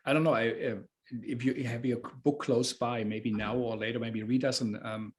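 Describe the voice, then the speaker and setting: A man's voice: mid-range voice, steady tone, moderate pace. A man hosting an informal interview, searching for his words and often repeating them. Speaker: host interviewing an author.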